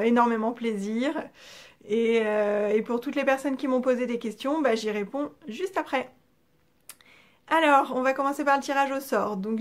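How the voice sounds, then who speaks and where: A woman from France hosting her knitting vlog, chatting casually with many hesitations, speaking from home. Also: fairly high pitch. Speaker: knitting channel host.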